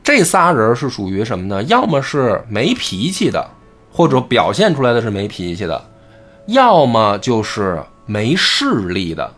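With soft background music, a medium-pitched man speaks at a measured pace as host of a casual talk show. He explains a classic novel animatedly, performing the characters he quotes.

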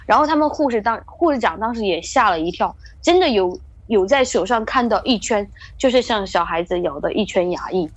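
A woman's voice: medium pitch, brisk, few pauses, dry recording, highs cut off. Woman telling a ghost story, dry close sound. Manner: rambling, many restarts and fillers, lively build-up. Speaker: guest storyteller. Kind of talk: casual spoken ghost story.

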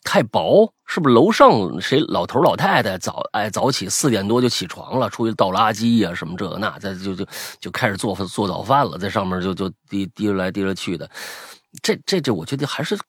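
A man's voice: lowish voice, lively intonation, fairly quick, a bit bright, slightly rough, no room sound, studio quality. A man hosting a podcast, chatting casually and reading out listener stories, rambling with many restarts. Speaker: podcast host.

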